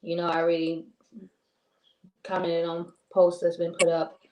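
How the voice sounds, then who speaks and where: A woman co-hosting a casual live-stream talk show, rambling and heartfelt with many pauses. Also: lowish voice, monotone, darkish tone. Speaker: co-host. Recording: echoey room with faint noise.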